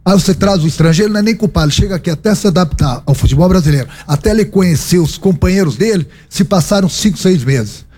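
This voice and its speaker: A man's voice: sits high, animated, quick pace, hardly any pauses, darkish tone, slightly rough. A Brazilian man, a football coach answering reporters at a press conference, emphatic and repeating his points with rhetorical questions. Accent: Brazilian Portuguese.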